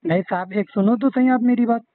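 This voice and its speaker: A man's voice: high-pitched, a little fast, a little hiss or hum. A young man with a Hyderabadi accent, talking politely and persistently in an informal phone conversation. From Hyderabad, India. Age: young adult. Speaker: phone caller questioning an official. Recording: dull lo-fi phone call recording.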